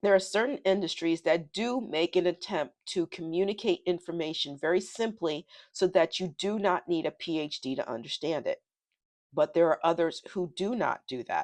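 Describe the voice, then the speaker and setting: Over a quiet background, a woman with a New York accent speaks at a fairly low pitch with ordinary variation, the sound dry and close with no echo. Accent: New York accent, drawn out. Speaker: video host, proofreader. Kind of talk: casual solo video talk with book readings. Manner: animated.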